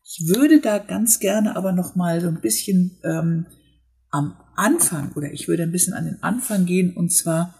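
A woman with a low, gravelly, very husky voice and a mellow tone. She explains pronunciation step by step, slowing down to model each word in a relaxed, conversational lesson. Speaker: Swedish teacher and podcast host.

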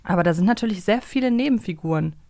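Female podcast co-host, mid-pitched, reflective and conversational, recorded dry. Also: lively intonation, quick pace, a little mellow, no room sound. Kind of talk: casual podcast discussion.

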